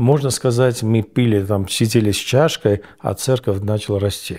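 Against a quiet background, a man talks at a moderate pace. His voice is dark, mellow and fairly low. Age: 50s. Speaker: pastor. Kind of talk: interview. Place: studio. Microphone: lapel.

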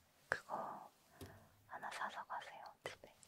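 A woman whispers in a soft-spoken way. Loud background noise fills the recording. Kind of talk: ASMR role-play. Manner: soft, close ASMR whisper. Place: home room. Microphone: studio mic.

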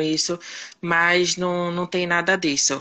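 In a monotone, flat intonation, a woman talks at a fairly slow pace. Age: 20s. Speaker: viewer asking a medical question. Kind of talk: live Q&A. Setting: Instagram live stream. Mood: worried, explaining. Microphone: video call.

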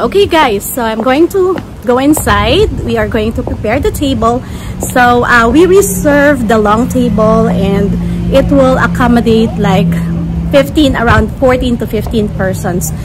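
Loud background noise behind a woman's fairly slow delivery. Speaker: vlogger. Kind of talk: casual vlog chat. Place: street. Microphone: phone near.

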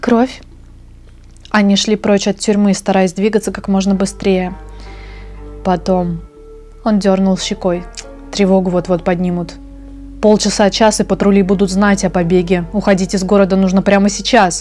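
A woman speaks in a flat, monotone way, leaving long, frequent pauses. Faint music plays in the background. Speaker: streamer. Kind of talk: reading a game's story aloud with asides. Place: home room.

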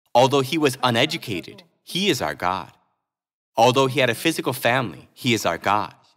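A man's medium-pitched voice with vocal fry, lively intonation and a fairly quick pace, on a very clean recording with a silent background. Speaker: pastor. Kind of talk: sermon. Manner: formal.

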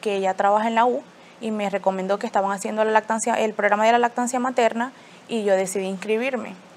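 A woman speaks very fast with a Venezuelan accent. Her pitch is fairly high and her intonation fairly even. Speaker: hairstylist. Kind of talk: personal testimony. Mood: calm, reflective, some sadness. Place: studio.

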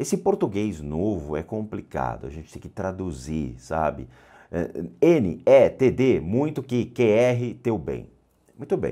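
A man's fairly low, dark and mellow voice at a very slow pace, with very wide pitch swings against a quiet background. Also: big swings in loudness. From Brazil. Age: 40s. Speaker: paranormal YouTuber and alternative therapist. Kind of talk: casual vlog chat. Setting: home recording, seated in chair. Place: home room. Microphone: lapel.

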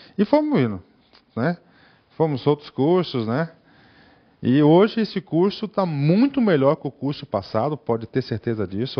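The man's intonation is lively, his pace moderate, and the background quiet. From Brazil. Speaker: online course teacher. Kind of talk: lecture. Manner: animated. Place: studio. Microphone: headset.

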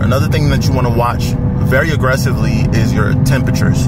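Over music in the background, the speaker moves at a fairly quick pace in a dry sound with no echo. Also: man. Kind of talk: tutorial. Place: car. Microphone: phone near.

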